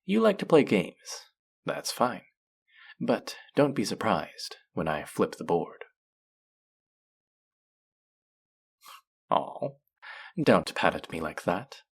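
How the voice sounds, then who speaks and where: Guy doing a smug bossy male faerie, gravelly n husky, sultry teasing, audio roleplay. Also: fairly low pitch, wildly swooping pitch, full character voice. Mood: taunting. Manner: teasing, drawn-out, mock-scolding, sultry. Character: teasing male faerie trickster, smug, dominant, playfully stern. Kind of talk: intimate roleplay audio drama.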